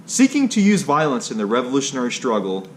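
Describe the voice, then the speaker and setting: A man's voice: mid-range voice, huge pitch swings, fast. Man stiffly reading history, faint background noise. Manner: stilted reading, stumbling on hard words. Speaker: narrator. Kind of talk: read-aloud history narration.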